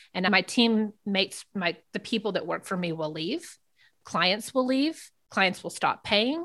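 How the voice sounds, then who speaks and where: A woman speaks at a medium pitch and a fairly slow pace, with lively intonation and an unremarkable speaking voice. The recording is very clean, with a silent background. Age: 30s. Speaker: entrepreneur and business owner. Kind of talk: podcast interview.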